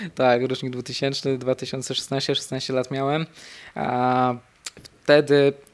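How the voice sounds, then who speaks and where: The speaker is a man with a mid-range voice. He delivers everything in a flat monotone. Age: 20s. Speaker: entrepreneur. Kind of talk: interview.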